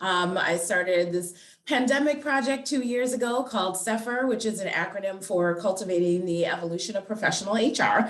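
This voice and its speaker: A woman with a Milwaukee accent talks at a fairly quick pace with lively intonation and hardly any pauses. Noticeable background noise and audible room echo fill the recording. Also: medium pitch for a woman. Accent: Milwaukee Midwest. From US Midwest, Milwaukee. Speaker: HR consultant. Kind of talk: interview conversation.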